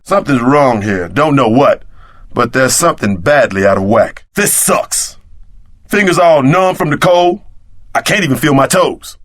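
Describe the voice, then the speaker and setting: An actor playing a streetwise, wisecracking tough sidekick in a video game, wry and wary, with slangy delivery. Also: male voice, medium pitch, a bit bright, slightly rough, dry recording. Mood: uneasy, grumbling.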